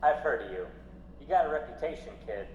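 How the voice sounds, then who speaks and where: In a reverberant hall with slight noise, a gruff, impatient sergeant played by a man speaks in a radio play. His delivery swings widely in pitch. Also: expressive, fairly quick, a little mellow, lo-fi sound, close to an everyday voice. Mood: impatient, curt. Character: gruff, impatient male police sergeant at morgue. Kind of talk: radio drama acting. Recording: echoey hall, faint noise.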